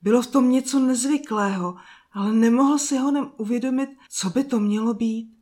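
A woman narrating a children's fairy tale in a calm, soft and slow reading voice. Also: fairly high pitch. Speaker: storyteller. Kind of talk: scripted storybook narration.

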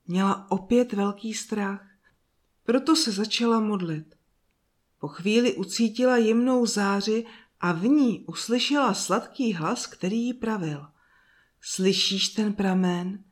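A woman narrating a fairy tale in a slow, soft storytelling manner with drawn-out pauses. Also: on the high side, expressive.

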